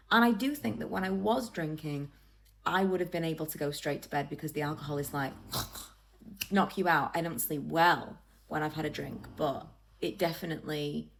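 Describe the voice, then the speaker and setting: A woman with a low, gravelly voice chats casually to her vlog audience. She rambles and circles back, repeating herself to make a point, in a self-deprecating way. There is faint noise in the recording. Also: poor audio. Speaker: vlogger. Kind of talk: casual chatty vlog to camera.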